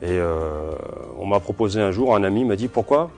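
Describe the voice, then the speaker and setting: A man's voice: lowish voice, animated, moderate pace, soft background music. A man in his forties, from Portugal, answering interview questions in a hesitant way, with many fillers and restarts. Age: 40s. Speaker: security company owner.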